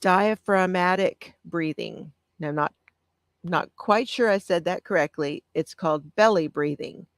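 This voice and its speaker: A craft channel host leads breathing exercises on a live stream, her soft, calming voice lowish with a slight gravelly edge. She speaks gently, pausing often and answering viewers as she reads along. The sound is dry and close, with no echo.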